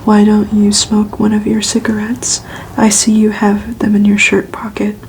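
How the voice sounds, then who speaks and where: A woman voicing a worldly, courteous male vampire in a breathy whisper for an ASMR storybook reading. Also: medium pitch, completely flat delivery, normal speed, a little mellow, a little hiss or hum, lightly acted, rough recording. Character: worldly, amused, courteous male vampire telling his life.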